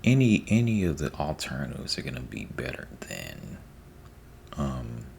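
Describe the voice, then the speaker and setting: A man giving a soft-spoken ASMR ramble, breathy and often near a whisper, informal and repeating himself, close to the microphone. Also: very deep voice, big pitch swings, measured pace. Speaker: ASMR host. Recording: faint background noise.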